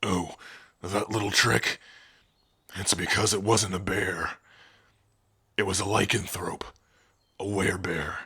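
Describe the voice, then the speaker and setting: Man voicing a gravelly, earnest orc warrior. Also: sits low, fairly even intonation, slow pace, pauses often, sharp tone, heavily acted. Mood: soft, grateful. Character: Thresh, gentle, honorable young male orc warrior. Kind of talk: ASMR fantasy audio roleplay.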